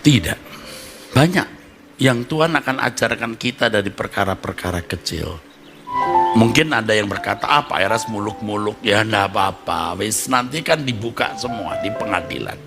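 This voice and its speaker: A middle-aged male pastor with a low, gravelly voice preaches a sermon in a chatty, conversational way. He acts out little exchanges between people and now and then jumps up into loud, high emphasis. Music plays clearly beneath him. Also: animated, normal speed. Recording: music playing underneath.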